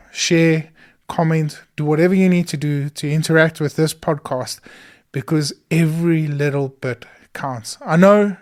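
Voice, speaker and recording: Guy, hoarse voice, kinda high, chatting solo on his podcast in a studio. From South Africa. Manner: earnest and enthusiastic, many fillers. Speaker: podcast host. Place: small studio.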